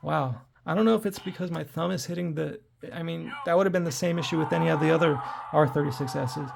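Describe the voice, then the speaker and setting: Hoarse man in his forties, very gravelly and raspy, a little high-pitched, rambling gameplay chat. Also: quick pace, background noise. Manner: rambling, chatty, talks to viewers while playing. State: hoarse from throat trouble. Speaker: tech reviewer playing retro games. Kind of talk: casual gameplay commentary.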